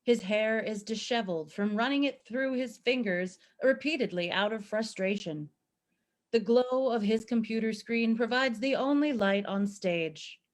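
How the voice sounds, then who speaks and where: A woman's voice: a little high, a little slow. A woman narrating scripted stage directions for a play reading.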